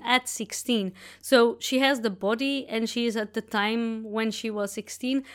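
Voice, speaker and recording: Chatty woman with a smooth, higher voice. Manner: chatty, rambling, self-correcting. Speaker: podcast host. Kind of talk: casual monologue book review.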